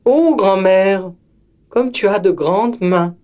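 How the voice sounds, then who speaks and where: Man doing a little girl in a red hood, sweet, timid, high, slow storybook voice. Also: lively intonation, a little mellow. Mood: wondering.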